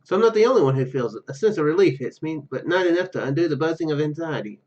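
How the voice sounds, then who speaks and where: A man hosting a gaming video, commenting casually and reading game text aloud in a halting, rambling way. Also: fairly high pitch, expressive, a little mellow, muffled recording.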